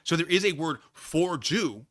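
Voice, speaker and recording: A man's voice: on the high side, expressive, measured pace, a bit bright, no echo, studio quality. A man hosting a livestream, chatting casually with viewers in a theatrical, emphatic manner. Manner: theatrical, emphatic, exasperated debating. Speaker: livestream host.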